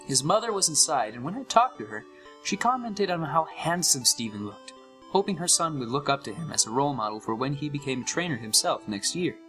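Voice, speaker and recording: A man giving an expressive, scripted first-person narration of a horror story. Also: fairly high pitch, a little fast, faint music behind.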